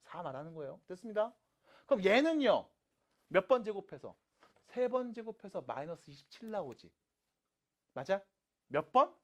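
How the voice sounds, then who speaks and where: A middle-aged man teaching a math lesson, asking quick questions and answering them himself. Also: high-pitched, dull audio. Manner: lively, asks and answers own questions. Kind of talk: lecture.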